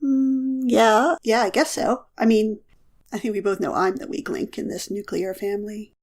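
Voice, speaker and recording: A woman's voice: medium pitch, steady tone, normal speed, darkish tone, natural voice. A woman playing a flippant, easygoing young college student in an audio comedy, talking in a casual, joking way. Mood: awkward, friendly. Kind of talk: audio drama romantic comedy dialogue.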